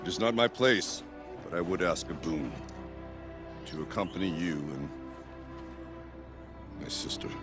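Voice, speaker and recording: A man's voice: deep voice, expressive, unhurried, long pauses. A man playing a proud, stern tribal hunter chieftain in a video game, speaking in a solemn, formal, declamatory way. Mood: humbled. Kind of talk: dramatic video game acting. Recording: background music under the voice.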